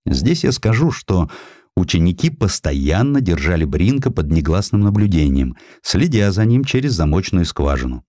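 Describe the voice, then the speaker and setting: A man's voice: sits low, sing-song, moderate pace, warm tone, no room sound, studio quality. A man narrating a historical sketch as an audiobook, expressively, in a theatrical, wry storyteller's manner.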